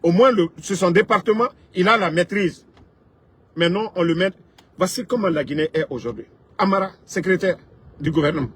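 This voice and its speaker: Husky guy ranting hard about politics, kinda high voice, gets loud then drops low. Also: brisk. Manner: emphatic, swings between loud outbursts and low asides. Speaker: political commentator. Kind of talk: impassioned political rant.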